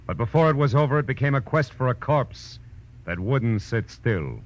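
An American actor playing a hard-boiled, wry and quietly wistful private detective in a 1940s radio drama, laconic and dry. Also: male voice, mid-range voice, lively intonation, moderate pace, close to an everyday voice. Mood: tense, gritty. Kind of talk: 1940s radio detective acting, first-person narration. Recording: muffled vintage radio broadcast, prominent music.

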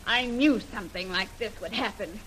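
A woman's voice: medium pitch, normal speed, fairly bright tone, close to an everyday voice. An actress playing a brave, impulsive adventurous woman in a 1930s radio drama, emphatic and commanding under pressure. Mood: tense. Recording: noisy hissy 1930s radio recording.

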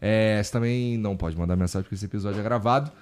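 A man's voice: on the low side, very fast, darkish tone. A Brazilian man hosting a podcast, talking casually in an informal, slangy way. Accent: Brazilian Portuguese. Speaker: podcast host. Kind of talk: casual chat.

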